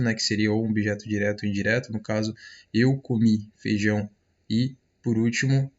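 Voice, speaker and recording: Brazilian guy teaching literature online, low gravelly voice, keeps saying right? to the class, muffled lo-fi sound. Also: a bit bright. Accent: Brazilian Portuguese. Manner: casual, many fillers and check-ins.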